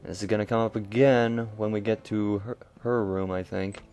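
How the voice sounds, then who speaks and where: A man's voice: fairly low pitch, fairly even intonation, moderate pace, a little mellow, clear, resonant tone. A young man casually commentating a video game with dry, joking asides. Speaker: let's-play commentator.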